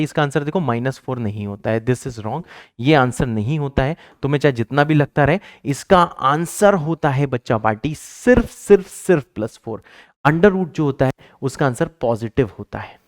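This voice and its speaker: A man's voice: a little high, no room sound, studio quality. A male math teacher giving an exam-prep lecture, emphatic and repetitive, raising his voice to stress points and teasing his students playfully.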